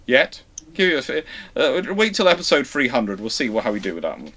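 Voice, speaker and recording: A man hosting a live naval history question show, talking in an animated way with quick asides and dry jokes. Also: mid-range voice. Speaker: naval history channel host. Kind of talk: live Q&A chat.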